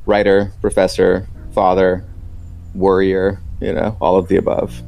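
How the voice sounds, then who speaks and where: Gravelly low-voiced man telling a story. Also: completely flat delivery, measured pace, a little mellow, poor audio. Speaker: interviewee, writer and professor. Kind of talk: casual interview talk.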